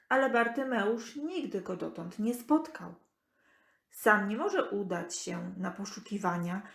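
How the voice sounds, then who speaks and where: A woman narrating a Bible story for children, expressive, with deliberate phrasing and pauses. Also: mid-range voice, gravelly. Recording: echoey room.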